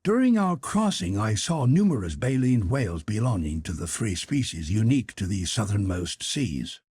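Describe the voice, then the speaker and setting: Low, husky male audiobook narrator. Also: sing-song, normal speed, darkish tone, no echo, clean studio sound. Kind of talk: scripted literary narration of a classic adventure novel.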